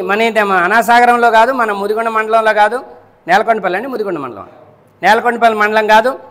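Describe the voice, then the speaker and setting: A man preaches a Friday sermon in a high, ringing voice. He keeps asking whether his listeners are following, repeats his lines and counts off his points one by one. His voice trails off into the long echo of a large hall. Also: fairly bright tone. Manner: rhetorical, keeps checking the listeners understand.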